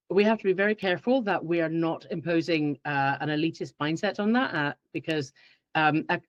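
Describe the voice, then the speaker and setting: Animated woman, dull audio. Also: on the low side, dry recording. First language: Finnish. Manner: animated, acts out her own past thoughts. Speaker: guest expert. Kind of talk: podcast interview.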